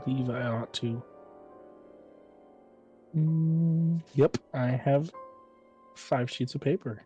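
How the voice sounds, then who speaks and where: A man's voice: mid-range voice, takes it slowly, warm tone, dull audio. A man playing a tabletop game, chatting casually and thinking aloud about his moves. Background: background music.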